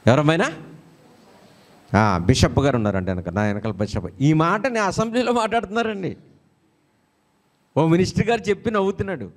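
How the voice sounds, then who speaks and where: Man, Telugu accent, pastor preaching, fairly high voice, lively storytelling. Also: fairly quick, pauses often. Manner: animated preaching with jokes and acted-out quotes. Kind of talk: sermon.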